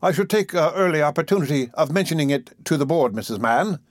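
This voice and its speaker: A man's voice: fairly high pitch, animated, dry recording, clean studio sound, pitched above the performer's own voice, close to an everyday voice. A man doing a pompous parish beadle. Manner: pompous and stately, drawn-out words. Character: pompous self-important male parish beadle, middle-aged. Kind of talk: audiobook character voice.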